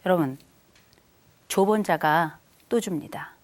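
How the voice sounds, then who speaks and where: A middle-aged woman giving a lively lecture on family life, chatty and animated, slowing down to stress her key sayings. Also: on the low side. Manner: animated, acts out quoted speech, chatty asides; slows down for key maxims.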